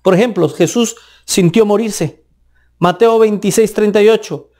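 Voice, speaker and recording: A man with a Colombian accent preaching a sermon, emphatic, with pitch that rises and drops sharply for stress. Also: normal speed, a little mellow.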